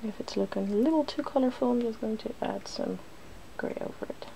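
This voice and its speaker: A woman hosting an ASMR makeup demonstration, speaking in soft, breathy whispers and hushed tones as she narrates each step playfully. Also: fairly high pitch, a little fast, a little hiss or hum, rough recording. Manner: playful, giggly. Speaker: ASMR video host.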